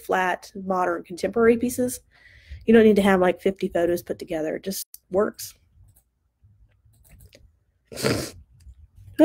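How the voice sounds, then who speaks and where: A woman's voice: medium pitch, a little mellow. A woman in her thirties giving a live critique of student posters, chatty and enthusiastic, her voice tired and starting to crack. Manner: chatty, enthusiastic, thinking aloud. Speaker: design instructor reviewing student posters. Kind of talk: live-stream design critique.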